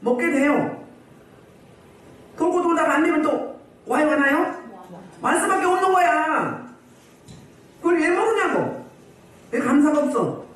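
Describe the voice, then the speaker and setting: Preaching a sermon at a healing service in a church hall, a woman pastor with a high-sitting, expressive voice speaks a little slowly and pauses often. She scolds the congregation with a stream of rhetorical questions, and the echoey hall leaves her voice distant from the mic.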